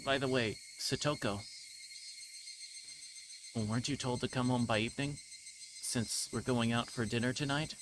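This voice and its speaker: A man's voice: medium pitch, steady tone, normal speed, long pauses, noisy background, lightly acted. A man reading the part of a caring, concerned teenage big brother from a visual novel. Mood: gently concerned.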